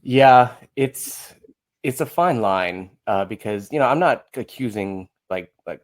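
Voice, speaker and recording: An American man in his thirties talking casually on a podcast, haltingly, repeating words as he thinks. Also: medium pitch, lively intonation.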